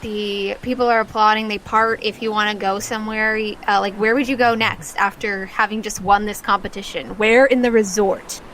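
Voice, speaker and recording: A woman narrating a tabletop game as game master, improvising casually and haltingly. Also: mid-range voice, fairly even intonation, a bit bright, slight background noise, rough recording. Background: music.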